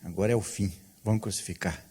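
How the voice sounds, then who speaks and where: A man's voice: fairly low pitch, steady tone, fast talker, warm tone, slightly rough. A male pastor preaching a sermon, telling a story with rhetorical questions to the congregation.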